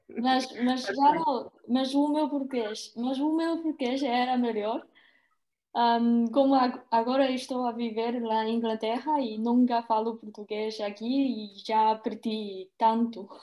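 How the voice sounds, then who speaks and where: In a very clean recording with a silent background, a woman speaks with a non-native accent at a very slow pace. Her tone is dark and mellow, her pitch high, and her intonation fairly even. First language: not Portuguese (speaking Portuguese). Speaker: translator. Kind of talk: round-table discussion.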